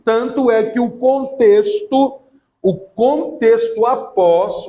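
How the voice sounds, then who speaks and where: A middle-aged man giving a classroom theology lecture, lively and often asking the class questions. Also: sits high. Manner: lively, asks the class questions and acts out quotes. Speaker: theology teacher.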